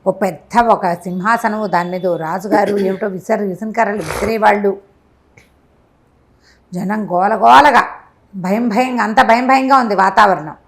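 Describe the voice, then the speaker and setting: A woman telling a folk moral tale in an animated, chatty, conversational way, with asides to her listener. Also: medium pitch, a little slow. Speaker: storyteller. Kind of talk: spontaneous conversational storytelling of a folk moral tale, acting out dialogue.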